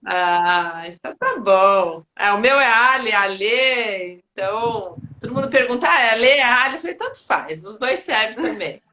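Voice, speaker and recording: A woman's voice: on the high side, animated, normal speed, few pauses, sharp tone, a little hiss or hum. A Brazilian woman hosting a casual live sports chat, chatty and playful, laughing easily. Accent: Brazilian Portuguese. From Brazil, raised in Paraná.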